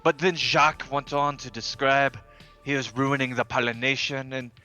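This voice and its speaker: A man's voice: medium pitch, fairly even intonation, moderate pace, bright, forceful tone, soft background music, close to an everyday voice. Man playing a stiff, formal, exasperated arboretum keeper. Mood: indignant. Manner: formal, stilted wording, bursting into exasperated outbursts.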